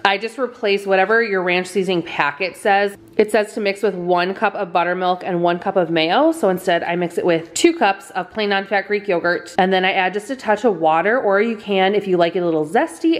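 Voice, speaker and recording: Chatty mom narrating a grocery haul. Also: female voice, medium pitch. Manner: chatty, relaxed, friendly with fillers. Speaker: vlogger. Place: home kitchen, indoors.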